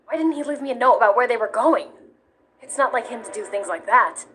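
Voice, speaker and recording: Brash warrior woman played by a female actor, energetic and protective, higher-pitched, emphatic comic dub drama. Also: a little fast, slight background noise. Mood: worried, puzzled.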